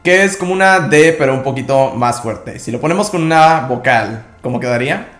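A man teaching a language lesson, calmly explaining each sound step by step. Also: mid-range voice, brisk, faint music behind. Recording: echoey room.

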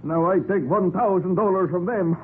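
Man acting excitable old farmer, broken English, high voice, vintage radio drama, thin noisy sound. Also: normal speed, close to an everyday voice. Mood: indignant, excited. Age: 60s. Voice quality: broken English with simple grammar. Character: 65-year-old immigrant farmer, trusting and excitable. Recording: noisy, narrow-band 1940s radio recording.

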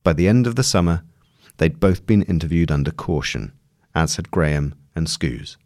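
A man with a low, deep voice narrates a long-form article. His delivery is measured and articulate, in a scripted journalistic style. The sound is dry, with no room around the voice. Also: animated, a little mellow, no echo.

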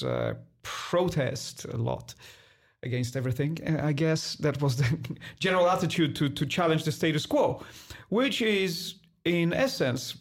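Reflective Polish-born man with halting speech. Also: mid-range voice. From Poland. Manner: thoughtful, halting, with frequent restarts and fillers. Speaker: guest, designer. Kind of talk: conversational interview answers.

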